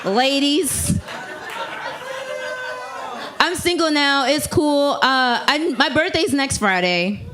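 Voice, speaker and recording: A woman's voice: high voice, lively intonation, slow, pauses often, a crowd in the background, noisy background. A woman around thirty doing a brash, bawdy stand-up set in a comedy club, laughing through her punchlines. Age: 30s.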